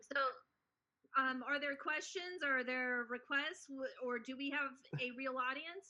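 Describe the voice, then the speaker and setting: A woman uses a raised, projected voice with a high pitch, speaking at a fairly slow pace. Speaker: comedian. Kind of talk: casual chat. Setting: video call. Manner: halting.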